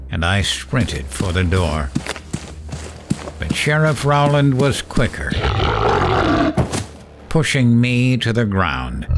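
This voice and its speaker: Slow-spoken, horrified radio host recounting terror. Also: male voice, medium pitch. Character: terrified late-night radio host narrating his horror ordeal. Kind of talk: first-person horror audio drama narration.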